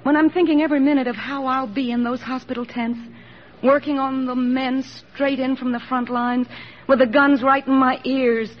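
An actress playing an eager young army nurse. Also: female voice, high voice, fairly even intonation, moderate pace, a little hiss or hum, lightly acted. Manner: earnest, eager, soft. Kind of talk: 1940s radio acting. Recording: dull old radio recording.

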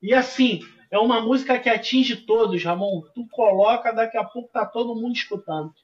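A man with a carioca accent, a capoeira master chatting warmly as a podcast guest over a video call. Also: extremely high pitch, a little fast, highs cut off. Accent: Rio de Janeiro Portuguese. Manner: warm, effusive, addresses host as friend. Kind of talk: casual podcast interview, singing capoeira songs.

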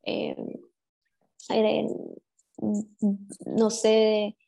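A young woman footballer from Guatemala with a Guatemalan accent, giving measured, reflective interview answers with frequent restarts. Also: medium pitch, wildly swooping pitch, vocal fry, dark tone, poor audio. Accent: Guatemalan Spanish. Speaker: professional footballer, interview guest.

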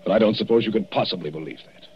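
An actor playing a calm, defiant doctor in an old radio drama, answering a killer firmly and without fear. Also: male voice, lowish voice, rapid-fire, breathy edge. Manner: cool, firm, unshaken. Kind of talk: 1940s radio acting. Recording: dull lo-fi vintage radio recording.

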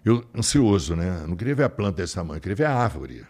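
A man speaks in a somewhat low voice. He rambles in a relaxed, affectionate way, circling back and restarting his thoughts as he chats with an interviewer. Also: fast, slightly rough. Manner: warm, rambling, affectionate storyteller with frequent restarts. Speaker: guest. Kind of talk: casual interview chat.

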